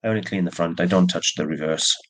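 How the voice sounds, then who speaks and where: Talking quickly in a deep voice, a man gives a casual show-and-tell of the antique silver jewelry he sells. Allergies leave him stuffy and yawning, and he chats along with plain asides.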